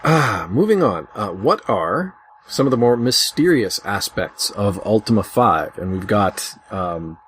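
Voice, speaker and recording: A man with a lowish voice hosts a casual podcast discussion. He feels his way through his thoughts hesitantly, over slightly noisy amateur audio. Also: expressive, measured pace, a bit bright. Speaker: podcast host.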